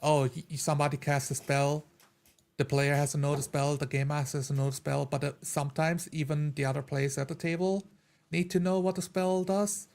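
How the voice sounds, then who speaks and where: A man's voice: on the high side, little pitch movement, a little fast, gravelly, darkish tone. A man who plays tabletop games, chatting casually about rules and often repeating words as he works out his point. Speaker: tabletop role-playing player.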